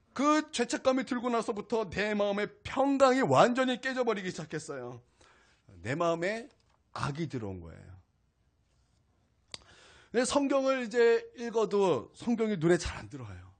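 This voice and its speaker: A male pastor preaching a weekday sermon, telling a personal story in an animated way. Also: extremely high pitch. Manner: animated storytelling, acts out his own angry outburst. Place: small church service.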